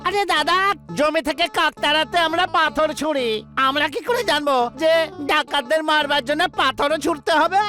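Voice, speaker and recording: A woman's voice: high-pitched, brisk, hardly any pauses, pushed and bright. A woman voicing a protesting farm villager in a children's cartoon. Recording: faint music behind.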